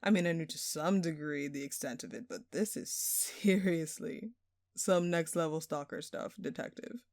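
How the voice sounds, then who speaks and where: A woman's voice: low-pitched, moderate pace, darkish tone, dry recording, clean studio sound. A woman playing a smug, flirtatious jewel thief in an audio roleplay, teasing and theatrical, with playful sarcasm. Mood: smug, flirty. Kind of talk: intimate scripted audio roleplay.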